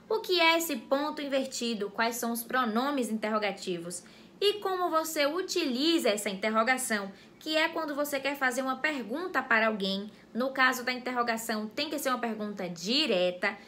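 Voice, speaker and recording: Bright, high-voiced Brazilian woman teaching. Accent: Brazilian Portuguese. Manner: clear and didactic, speaks straight to viewers. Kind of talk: educational explainer video.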